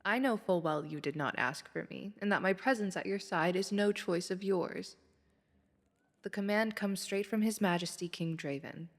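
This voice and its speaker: An actress playing a dutiful, steadfast lady knight who speaks formally and frankly, with courtly composure, in a fantasy audio roleplay. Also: fairly low pitch. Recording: long hall reverb.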